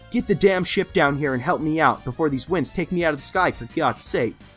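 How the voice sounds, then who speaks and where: An angry, growling put-on character voice talks at a fairly quick pace. Faint music plays in the background. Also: man, fairly high pitch for a man. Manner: snarling, angry, desperate.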